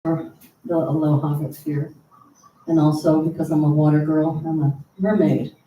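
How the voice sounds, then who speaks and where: A woman's voice: deep voice, fairly even intonation, moderate pace, dull audio. A woman hosting a church service, giving announcements and welcoming guests in an earnest, heartfelt way. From United States. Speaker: service host. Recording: roomy, distant mic with faint hum.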